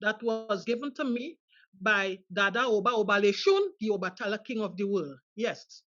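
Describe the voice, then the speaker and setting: A woman from Trinidad and Tobago, a guest on a video call, speaking slowly and earnestly. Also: medium pitch, highs cut off.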